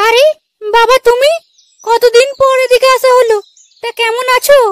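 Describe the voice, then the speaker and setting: In a cartoonish character voice, a woman speaks at an extremely high pitch and a moderate pace with monotone, flat intonation. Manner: warm, fussing.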